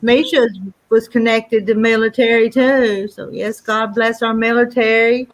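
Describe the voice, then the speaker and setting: Co-host: Southern woman from Arkansas, slightly high voice, friendly, talks to viewers by name. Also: flat delivery, measured pace, rough recording. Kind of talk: casual live-stream chat.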